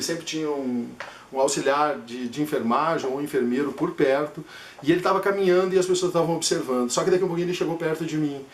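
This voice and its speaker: Male speaking coach, emphatic, demonstrative, a bit high-pitched, roomy recording. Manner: emphatic, demonstrative, shifts tone freely. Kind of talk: teaching lesson. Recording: echoey room.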